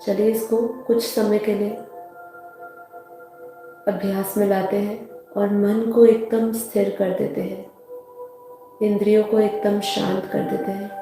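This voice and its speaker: Slow, echoing Indian woman guiding meditation. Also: medium pitch. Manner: unhurried, soothing, repeats phrases. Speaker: meditation guide. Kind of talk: slow guided meditation instruction. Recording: heavily echoing voice over soft music.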